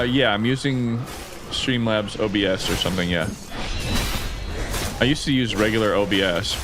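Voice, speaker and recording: A man doing casual live-stream commentary on game footage, reacting excitedly with bro-ish slang and swearing, like a frat bro. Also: lowish voice. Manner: animated reactions with frequent laughing and swearing.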